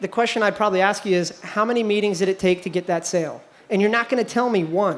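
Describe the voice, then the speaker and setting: Talking at a very fast pace, a man uses a high pitch and an animated tone. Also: ordinary pitch variation. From India, moved to US as a child. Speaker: venture capital investor. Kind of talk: live panel talk. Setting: stage with live audience.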